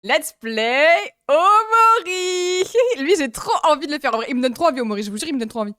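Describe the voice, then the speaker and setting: A young woman streamer with a high, bright voice chats with her viewers in a loose, giggly way, breaking off often to react and laugh. The sound is dry and close, with no room around it. She is from France. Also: rapid-fire, dry recording. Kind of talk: casual live-stream chat.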